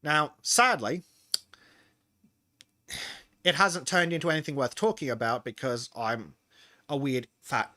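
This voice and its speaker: A man's voice: on the high side, unhurried, pauses often, pushed and bright, dry recording. A man with an Australian accent that he says mixes in American and English, lecturing bluntly and profanely in casual podcast chat. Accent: Australian, mixed with American and English. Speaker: podcast host.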